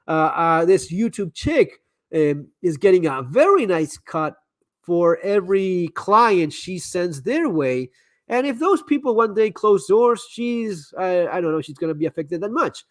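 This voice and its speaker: High-voiced man, halting repeats. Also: no echo. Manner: frequent stammered repeats and restarts; candid, advice-giving. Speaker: live stream host answering viewer messages. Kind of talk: casual live-stream chat.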